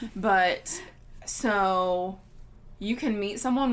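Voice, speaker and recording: A woman speaks with a slight Southern US accent. Her pitch varies in an ordinary way. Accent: slight Southern twang. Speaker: podcast host. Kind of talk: casual chat.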